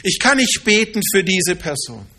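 High, bright-voiced male preacher. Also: sing-song, creaky. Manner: earnest, slows down to stress key phrases. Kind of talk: sermon.

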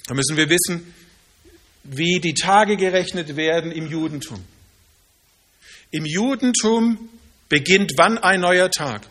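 A man preaching a sermon in earnest, slowing down to stress key phrases. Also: fairly high pitch, a bit bright.

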